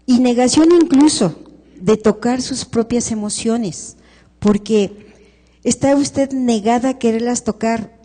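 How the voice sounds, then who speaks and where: A woman with a Mexican Spanish accent leads a grief workshop. She speaks calmly and gives instruction, posing rhetorical questions to the audience. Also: a little high, slow pace. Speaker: grief counselor leading a workshop. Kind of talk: counseling talk to an audience. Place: large hall at a live workshop. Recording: live stream, long hall reverb.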